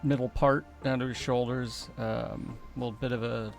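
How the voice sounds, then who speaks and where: A man's voice: medium pitch, flat delivery, normal speed, creaky. Man, mid-range voice, tabletop player, casual describing, music behind.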